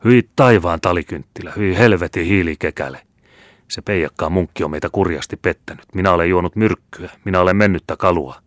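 A man's voice: low voice, steady tone, hardly any pauses, fairly bright tone, no room sound. A man voicing a stout, blustering old army captain who curses and grumbles. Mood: outraged. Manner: gruff, cursing, boisterous.

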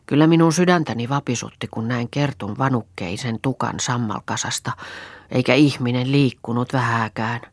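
A woman with an extremely low voice reads an audiobook with no room sound. She voices a weary, plain-spoken country woman who rambles on in a matter-of-fact way.

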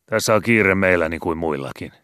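A man voicing a gruff, bossy, boastful old male sea pilot who scolds loudly and swears in rough rural speech in a storybook reading. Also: deep voice, dry recording, studio quality. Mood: gruff scolding.

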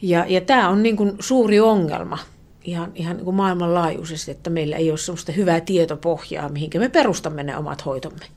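A woman professor speaking as an expert guest on the radio, her voice a little low. She explains earnestly, restarting often and letting her sentences trail off softly. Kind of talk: radio interview.

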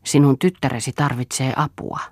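A woman reading the part of a dead old grandfather appearing in a dream, calm and reassuring. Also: extremely low pitch, breathy edge, no echo, studio quality.

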